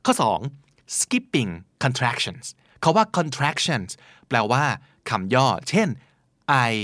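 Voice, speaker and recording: A male podcast host talks through examples at an unhurried pace, his pitch swinging up and down as he plays out little scenes. The recording is close and dry. He sounds casual and playful as he explains. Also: no room sound. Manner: lively, teaching English words with playful acted examples.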